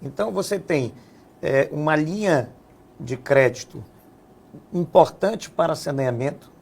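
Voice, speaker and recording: A man speaks in a political interview, laying out his points in a steady, explanatory way. His voice sits a little high and carries a gravelly edge. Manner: measured, explanatory, frequent "né?" tags. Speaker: guest, health businessman and former legislative assembly president.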